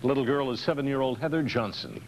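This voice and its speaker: A man's voice: mid-range voice, fast talker. A man with an American accent reading scripted television news narration on an old taped newscast. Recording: noisy archival 1990s TV newscast tape.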